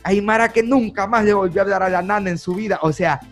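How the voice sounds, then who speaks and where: A man's voice: high-pitched, fast talker, a bit bright, soft background music. A young man with a Salvadoran Spanish accent, hosting a podcast in casual, slangy, joking chat. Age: young adult. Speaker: podcast host. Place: small room at home, indoors. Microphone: desk microphone with headphones.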